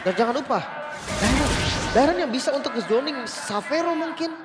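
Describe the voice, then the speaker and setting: A man's voice: very high-pitched, animated, moderate pace. A man with an Indonesian accent giving analytical live commentary as co-caster of an esports match. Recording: loud music under the commentary.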